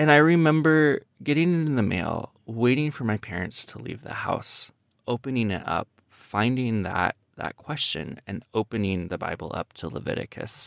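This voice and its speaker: Recorded dry and close with no echo, a man at a medium pitch talks at a moderate pace with very wide pitch swings. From US Midwest (Iowa). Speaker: podcast host and therapist. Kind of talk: interview answers, personal storytelling.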